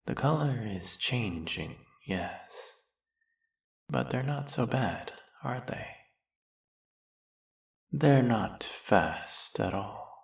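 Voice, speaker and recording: A man voicing a smooth-talking, snake-headed male villain who hypnotizes his captive in an audio roleplay, speaking in a silky, coaxing way. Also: mid-range voice, expressive, very slow, long pauses, full character voice. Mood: hypnotic. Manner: silky, coaxing, soft-spoken and purring.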